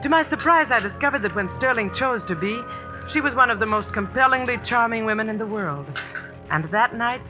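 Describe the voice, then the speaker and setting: A woman's voice: a little high, animated, a little fast, close to an everyday voice. An actress playing an earnest young teacher who narrates her own anxious story, in 1940s radio acting style. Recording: dull 1940s radio broadcast with music.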